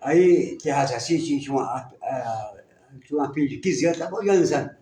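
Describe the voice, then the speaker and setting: A man teaching a church class, telling a story in a casual, halting way with many repetitions. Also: on the high side, animated, dark tone. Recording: roomy sound, distant mic.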